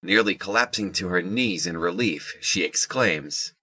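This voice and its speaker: Low-voiced man narrating a drama. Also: animated, measured pace, bright, forceful tone, husky. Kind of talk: scripted audio drama narration.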